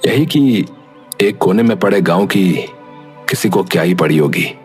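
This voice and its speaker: Low-voiced brooding young village man played by a man. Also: animated, measured pace. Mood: bitter, brooding. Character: troubled, quietly determined young village man. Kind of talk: dramatized audio story. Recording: music under the voice.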